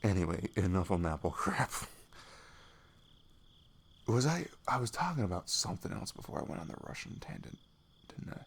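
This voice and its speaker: Man acting a goofy best friend, creaky low voice. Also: sing-song, normal speed, long pauses, exaggerated voice. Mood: goofy, affectionate. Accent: American. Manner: rambling, giggly, self-deprecating, drops into murmurs. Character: goofy, affectionate male best friend, big and chatty. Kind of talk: casual intimate ASMR roleplay.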